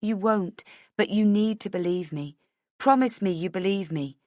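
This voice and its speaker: A woman's voice: mid-range voice, normal speed, darkish tone, no room sound, studio quality, natural voice. A woman voicing a frantic, desperate woman in a dramatic audiobook, speaking urgently and insistently as if pleading to be believed. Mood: earnest, desperate. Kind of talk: dramatic audiobook character dialogue.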